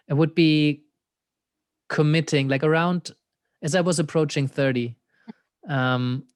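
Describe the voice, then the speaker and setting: A man with a German accent, an existential coach, speaks thoughtfully as a guest in a reflective, conversational interview, laughing often and leaning on "you know." His mid-range voice has a clear, resonant tone, captured as clean studio sound with no echo.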